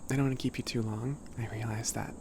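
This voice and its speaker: A young man voicing a sweet, shy giant cat boy in a soft, near-whispered ASMR roleplay, chatting gently and hesitantly to a small friend. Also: medium pitch, steady tone, fast, creaky, background noise, lightly acted. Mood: warm, reluctant farewell. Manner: gentle, hesitant, rambling, apologetic. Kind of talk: ASMR roleplay, casual chat to listener.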